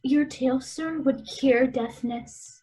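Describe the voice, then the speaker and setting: A woman's voice: high-pitched, steady tone, slow, dark tone. A woman playing a tender young daughter in an amateur radio-play reading of Shakespeare, earnest and theatrical. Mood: curious, attentive.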